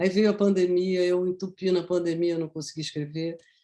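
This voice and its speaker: The voice belongs to a woman with a dark, mellow tone. The background is quiet. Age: 60s. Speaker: author. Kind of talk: public talk with audience Q&A. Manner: conversational.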